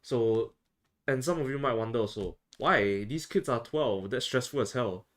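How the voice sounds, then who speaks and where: A man's voice: mid-range voice, moderate pace, a bit bright. A young man from Singapore with a Singaporean English accent, chatting casually and self-mockingly on a livestream. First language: Chinese. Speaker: VTuber streamer.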